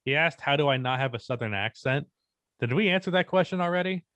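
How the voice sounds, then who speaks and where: A young man co-hosting a casual podcast, speaking in an even, unexpressive tone and swearing casually. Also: on the high side, quick pace, dry recording. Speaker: podcast co-host and YouTuber.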